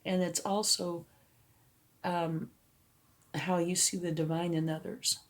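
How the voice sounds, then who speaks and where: A woman with a hoarse voice from a cold, giving a tarot card reading in a relaxed, reassuring way and often checking in with the listener. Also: on the low side, slow pace. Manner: reassuring, explains each card to the viewer and checks in with "okay?". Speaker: tarot reader. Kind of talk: tarot card reading, casual spoken explanation.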